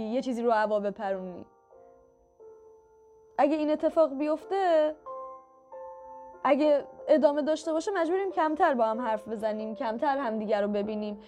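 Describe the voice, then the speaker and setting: Female instructor, high register, patient step-by-step explainer, faint music bed. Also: darkish tone. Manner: patient, repeats each step with examples. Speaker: communication skills teacher. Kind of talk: instructional talk to camera.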